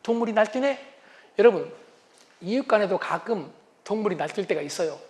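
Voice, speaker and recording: A man giving a humorous lecture on couples' communication, animated and acting out what spouses say. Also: high-pitched, brisk. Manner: animated, acts out spouses' lines.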